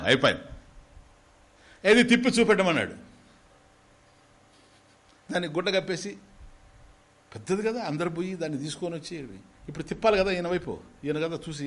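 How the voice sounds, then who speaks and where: A man giving a spiritual discourse, telling a story with lively shifts of pitch and dropping in English words. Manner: animated storytelling, voices quoted characters with big pitch swings; mixes English words into speech. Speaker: spiritual teacher.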